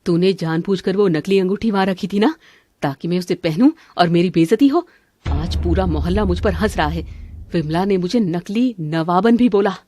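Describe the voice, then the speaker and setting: A woman voicing a greedy, scheming middle-aged mother-in-law in an animated family cartoon, bossy and grumbling. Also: fairly low pitch, moderate pace, close to an everyday voice. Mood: vengeful.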